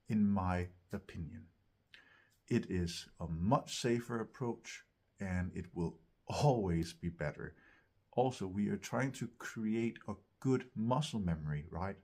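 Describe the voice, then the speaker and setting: A man with a lowish, husky voice gives instruction as a vocal coach. He talks at an unhurried pace, searching for his phrasing and repeating words for emphasis. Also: a little mellow. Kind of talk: instructional talk to camera.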